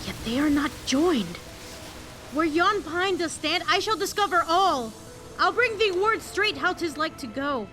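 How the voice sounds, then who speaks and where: High-voiced, betrayed Antony played by a woman. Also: lively intonation, unhurried, bright, forceful tone, soft background music, heavily acted. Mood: resolute. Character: proud betrayed Roman general Antony, passionate and bitter. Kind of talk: Shakespearean audio drama acting.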